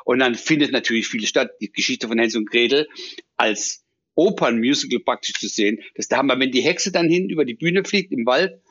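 A man in his sixties, an actor guest, talking casually and rambling with many pauses and fillers. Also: mid-range voice, fairly bright tone, slightly rough, dull audio. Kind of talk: casual chat.

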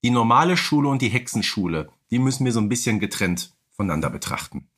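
A man's voice: mid-range voice, sing-song, fast talker, fairly bright tone. Wry man co-hosting a casual podcast. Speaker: podcast host. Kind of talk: casual humorous fan podcast discussion.

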